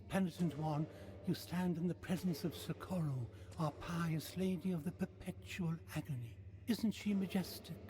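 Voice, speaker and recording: High-pitched, fawning male zealot acted by a man. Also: background noise, natural voice. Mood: fawning welcome. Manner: rapt, worshipful, courteous. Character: devout male zealot, fawning and reverent before suffering lady. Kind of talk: theatrical video game character acting.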